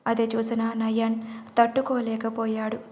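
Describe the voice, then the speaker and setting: A woman's voice: on the high side, monotone, unhurried, a little mellow. A woman reading a romance audio story aloud as narrator. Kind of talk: scripted narration.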